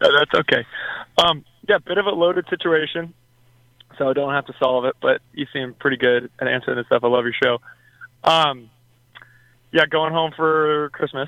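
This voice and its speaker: A man with a fairly high pitch talks at a moderate pace with ordinary pitch variation and long, frequent pauses. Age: 20s. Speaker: caller. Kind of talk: phone-in advice call. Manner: halting.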